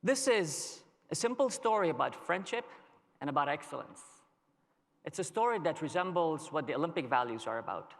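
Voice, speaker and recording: A man from Lebanon giving a conference keynote, telling a story in a measured way with dramatic pauses. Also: on the high side, big pitch swings. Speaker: keynote speaker. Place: large conference hall. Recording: long reverb of a large hall.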